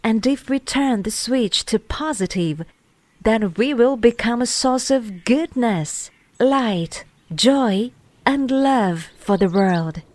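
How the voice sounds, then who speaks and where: A woman reading a scripted spiritual voice-over in a measured, deliberate way, phrase by phrase with pauses. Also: on the high side, animated, darkish tone. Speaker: narrator reading an article. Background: music.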